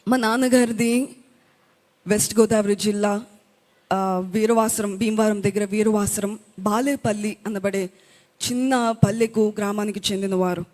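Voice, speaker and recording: A woman's voice: medium pitch, steady tone, unhurried, pauses often, darkish tone. A woman earnestly telling her testimony at a church youth event. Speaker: speaker giving testimony. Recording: long hall reverb.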